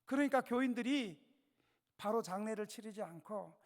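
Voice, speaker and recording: A male pastor preaching a revival sermon, telling stories dramatically, dropping to a hush and then rising loud, and putting questions straight to the congregation. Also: sits high, animated, normal speed. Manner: dramatic storytelling, swinging between hushed and loud. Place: church sanctuary. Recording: long church reverb.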